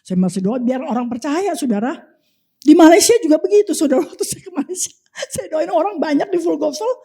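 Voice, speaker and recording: A woman with an Indonesian accent preaching an animated sermon, telling testimonies and prophesying over the congregation. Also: high voice, a little fast. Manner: animated, repeatedly addressing the congregation.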